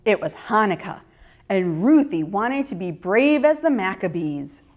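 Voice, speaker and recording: Slow, expressive woman storyteller. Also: mid-range voice. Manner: expressive, deliberate. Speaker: children's storyteller. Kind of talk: scripted storybook narration.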